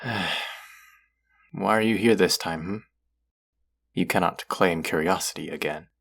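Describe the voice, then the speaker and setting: Guy doing aloof underworld god for audio rp, really deep n gravelly, formal and dry, secretly soft. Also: slow, full character voice. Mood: perplexed, dismissive. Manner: formal, wry, guarded, addressing the listener directly. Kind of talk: intimate scripted audio roleplay.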